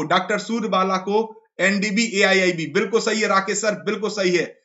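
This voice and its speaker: A hoarse man teaching a live online exam-prep class, quizzing students and repeating each answer. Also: high voice, bright, forceful tone. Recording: dull lo-fi stream audio.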